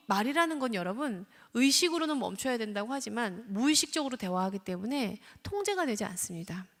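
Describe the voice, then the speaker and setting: Woman, church lecture, engaging, questions the audience, slightly high voice, echoing sanctuary. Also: a bit bright. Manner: engaging, asks the audience questions, acts out examples. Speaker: lecturer and counselor. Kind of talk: lecture at a weekday church service. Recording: church hall reverb.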